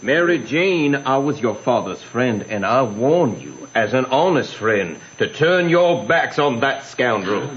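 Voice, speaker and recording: An actor playing a stern, iron-jawed, indignant country doctor in a radio drama, blunt and accusing. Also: male voice, medium pitch, lively intonation, measured pace, few pauses, lightly acted. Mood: stern warning. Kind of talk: old-time radio drama acting. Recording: muffled old radio recording.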